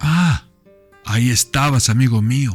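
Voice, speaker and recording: Growling and bellowing in a put-on character voice, a man speaks at a medium pitch and a fairly slow pace while faint music plays in the background. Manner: roaring.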